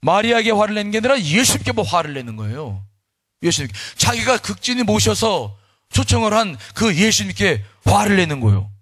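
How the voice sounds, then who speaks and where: A male pastor preaching a sermon, telling the story animatedly with dramatic pauses and frequent restarts. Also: sits high, big pitch swings, a bit bright, husky, no room sound, clean studio sound.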